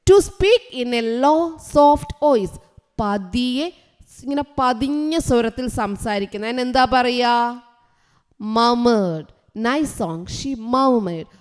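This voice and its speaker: Higher-voiced woman teacher from Kerala. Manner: explains each English phrase in Malayalam, quizzing pupils. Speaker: online tuition teacher. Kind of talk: exam answer walkthrough for children.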